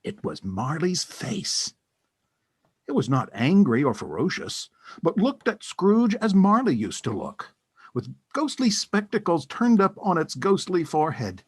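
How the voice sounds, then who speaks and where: A man narrating a scripted story for an audio drama in a theatrical, deliberate storytelling manner. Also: a little high, wildly swooping pitch, husky, no echo.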